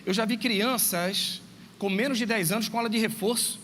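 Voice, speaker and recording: Preaching to his congregation in a church sanctuary, this pastor and schoolteacher uses a high, bright, ringing voice at normal speed. He animates his storytelling by performing dialogue and addressing the listeners directly. His words echo with long reverb, and faint noise lingers beneath.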